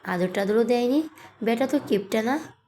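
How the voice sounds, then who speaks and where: A woman's voice: on the high side, moderate pace, mellow, a little hiss or hum, natural voice. A woman voicing a playful, nosy elderly grandmother who teases with prodding questions. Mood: teasing.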